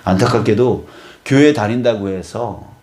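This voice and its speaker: A man's voice: lowish voice, measured pace, a little mellow. A male pastor from Gangwon Province, Korea, preaching a sermon in a storytelling manner and often starting his sentences with "자,".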